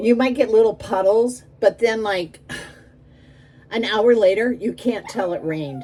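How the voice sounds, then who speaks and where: A woman speaks at a fairly slow pace, with long pauses that come often. Her pitch varies in an ordinary way, and background noise is noticeable. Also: fairly high pitch for a woman. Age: 70s. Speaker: gardening vlogger. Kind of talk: casual talk to camera.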